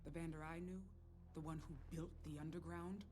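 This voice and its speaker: An actor voicing a restless male rebel urging a fight in an animated series, goading. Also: a little high, brisk, slight background noise, close to an everyday voice.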